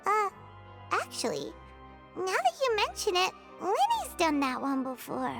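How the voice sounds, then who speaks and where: A woman voicing a tiny, excitable floating fairy girl in a video game, with a squeaky childlike voice and a bubbly, cutesy manner. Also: unhurried, exaggerated voice. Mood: curious. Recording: game music behind the voice.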